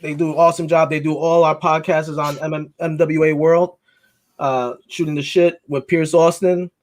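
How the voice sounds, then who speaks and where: Joking man hosting a podcast, slightly high voice. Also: level tone. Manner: joking, storytelling, drawn-out intros. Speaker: podcast host. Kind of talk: casual chat.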